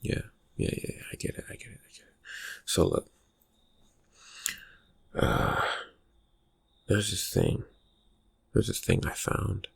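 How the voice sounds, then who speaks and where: A man acts out a reclusive vampire friend for an ASMR roleplay. His low voice is thick with fry and very husky, almost all breath. He speaks slowly and haltingly, dry and suspicious, with quiet menace under the soft murmur. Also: wildly swooping pitch, heavily acted. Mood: guarded, suspicious. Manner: hesitant, halting, laconic, dryly suspicious. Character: reclusive, slyly menacing male vampire friend who prowls at night. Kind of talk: ASMR roleplay, soft-spoken character talk.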